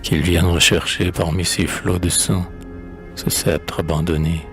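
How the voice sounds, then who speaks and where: A man's voice: deep voice, level tone, measured pace, fairly bright tone, soft background music. A man reading a dramatic poem, voicing a proud, despairing old king in a grave, declamatory recitation. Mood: wrathful. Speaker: poetry reader.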